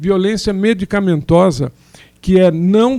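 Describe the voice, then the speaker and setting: Speaking at a fairly slow pace, a man comes through with a dry, close sound and no echo. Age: 60s. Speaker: physician and professor. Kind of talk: radio interview.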